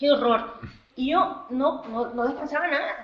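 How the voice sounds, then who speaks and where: A woman with a Latin American accent speaks in a high voice, and the room echo is audible. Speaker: television executive. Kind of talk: webinar interview.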